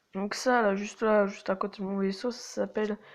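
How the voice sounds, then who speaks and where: Here a woman speaks with a slight northern French accent. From northern France. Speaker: gaming youtuber. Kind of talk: gameplay commentary. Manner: casual, hesitant with fillers.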